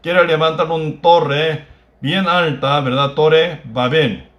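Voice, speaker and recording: A man with a Korean accent preaches a sermon in a higher-than-usual voice. His phrases come out halting and broken, and he keeps tagging them with questions to the congregation. The recording carries the echo of a church hall. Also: fairly even intonation, lo-fi sound. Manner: peppers phrases with tag questions. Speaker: pastor.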